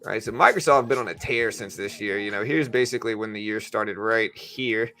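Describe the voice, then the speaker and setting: A man's voice: on the low side, fairly quick, pushed and bright. A man hosting a casual market livestream, chatting informally to viewers and thinking aloud as he goes. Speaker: livestream host, stock trader. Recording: music playing in the background. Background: music.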